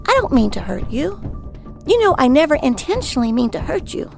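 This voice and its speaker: A woman acts out an excitable audiobook wife with a high, swooping voice. She is hot-tempered and emphatic, turning from sweet to snappish, with some gravel in the tone and music underneath. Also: brisk, exaggerated voice. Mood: coaxing apology. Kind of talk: audiobook character dialogue.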